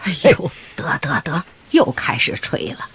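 A woman's voice: deep voice, big pitch swings, measured pace, breathy edge, full character voice. An actress playing a chatty, doting old grandmother with a Beijing accent in a radio drama over background music. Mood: soothing. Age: older.

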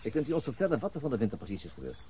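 An actor playing a calm male detective asking probing questions in a radio drama. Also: mid-range voice, racing, husky, heavily acted.

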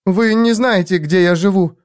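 A man voicing a lonely, high-strung young woman who pleads and frets. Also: expressive, moderate pace, no room sound, clean studio sound, lightly acted.

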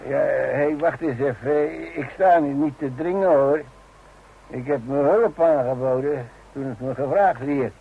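A man playing an old, cautious veteran demolition climber in a Dutch radio drama, speaking hesitantly and deliberately. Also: fairly high pitch, vocal fry, breathy edge, heavily acted. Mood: firm. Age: older. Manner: hesitant, deliberate, muttering to himself. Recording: dull, noisy old radio drama recording.

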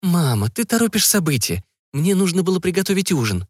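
Guy doing a chill young woman, soft and sure, dry sound. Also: high voice, very animated, a little fast, no room sound, pitched above the performer's own voice. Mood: calm. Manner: confident, soft, reasonable. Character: calm young woman, the daughter.

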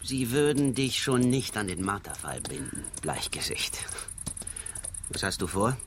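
An actor playing a wary, blunt Native American scout in a western radio drama. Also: male voice, fairly low pitch, very animated, unhurried, background noise. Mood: wary, guarded.

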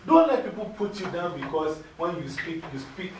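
Woman, Ghanaian accent, lively classroom lecture, faint room noise behind. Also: lowish voice, normal speed. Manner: lively, preachy, laughs easily, repeats "you see". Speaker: mentor speaking to youth. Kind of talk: informal classroom talk. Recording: echoey room from far off.

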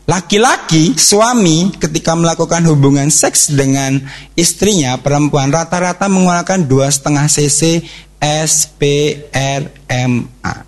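An animated middle-aged man gives a religious seminar talk. His voice sits a little high for a man, and he keeps it lively and jokey, firing questions at the audience. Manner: animated, jokey, asks the audience questions, acts out quick exclamations. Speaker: speaker at a parenting and youth talk.

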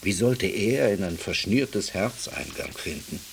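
Devout jewish seeker in a radio play, slow and swinging between fervor and whispers, bit of hiss. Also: male voice, low-pitched, expressive, gravelly, heavily acted. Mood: fervent, anguished. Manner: fervent, halting, dropping to a whisper. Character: devout, impassioned Jewish man, humble seeker of God.

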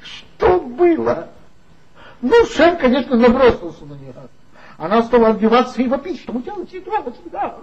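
A man's voice: very high voice, sing-song, moderate pace, muffled recording, exaggerated voice. An actor playing a tipsy former magazine worker who mockingly gossips about his old boss in a 1960s radio play. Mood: gossipy. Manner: gossipy, mocking, confiding storyteller.

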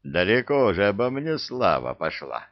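A man's voice: fairly low pitch, sing-song, normal speed, lo-fi sound. A man doing a wry army captain. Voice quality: easygoing, wry. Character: calm gruff army captain, dry humor.

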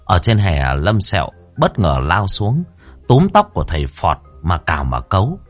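A man narrating a ghost story in a vivid, lively way. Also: low-pitched, normal speed. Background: faint background music.

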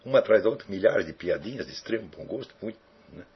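Male lecturer, low raspy voice, reflective and digressive, muffled recording. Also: lively intonation, fast talker, a little hiss or hum. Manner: rambling, reflective, with frequent tag questions. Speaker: philosophy teacher. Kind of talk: lecture answering student questions. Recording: dull lo-fi recording.

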